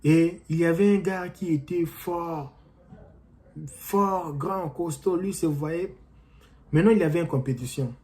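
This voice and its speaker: A man's voice: a little high, measured pace, darkish tone. A man talking casually and with animation to viewers he calls his friends, giving motivational advice and telling a story. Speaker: vlogger and coach. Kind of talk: casual motivational talk to camera. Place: living in the United States.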